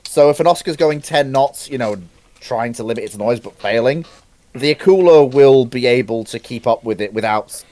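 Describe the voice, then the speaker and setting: A man in a casual analytical panel chat, speaking haltingly and repeating phrases for emphasis. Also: medium pitch, darkish tone, dry recording. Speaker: panellist on a live naval history show.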